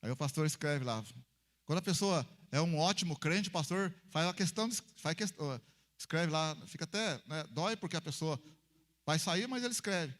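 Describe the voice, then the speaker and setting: A man's voice: fairly high pitch, animated, normal speed, a bit bright. A pastor preaching a conversational sermon in church, acting out little dialogues between people to make his point.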